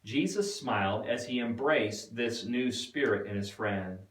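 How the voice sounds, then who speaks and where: A man giving a dramatic scripted narration with deliberate, expressive storytelling. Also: mid-range voice. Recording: echoey room, distant mic.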